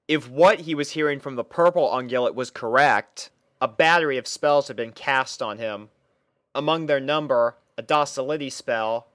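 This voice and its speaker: A man narrating a scripted story in a measured, mock-serious storytelling manner. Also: medium pitch, a bit bright, no room sound. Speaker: fan fiction narrator.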